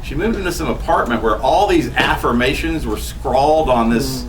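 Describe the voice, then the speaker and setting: A man's voice: mid-range voice, moderate pace. Chatty man reading poems, far off. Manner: chatty, self-deprecating, many ums and laughs. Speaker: poet reading his work. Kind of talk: live poetry reading with casual asides. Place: bookstore event room. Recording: distant camera audio with room noise.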